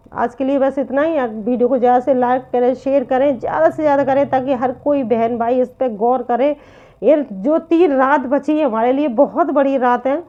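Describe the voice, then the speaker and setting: A woman with a high-pitched voice speaks to online viewers in an informal religious talk. She urges her listeners earnestly and circles back to the same points again and again. The recording is dull and lo-fi. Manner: earnest, repetitive urging.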